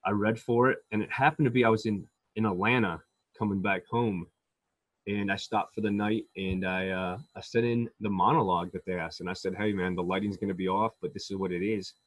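A man's voice: fairly low pitch, fairly even intonation, moderate pace, no echo. A man, an actor being interviewed, talking casually and eagerly about his work, with frequent restarts and repeated words. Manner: enthusiastic, rambling with many restarts. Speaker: actor guest.

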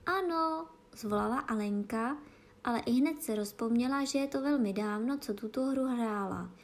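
Storyteller, woman, calm storybook narration, slightly high voice. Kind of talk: children's storybook reading.

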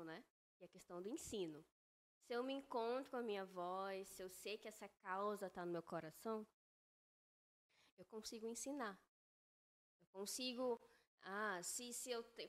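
A woman guest talking on a faith-based podcast, her speech earnest and reflective. She talks in measured phrases and often checks in with a quick tag question. Her pitch sits in an ordinary middle range.

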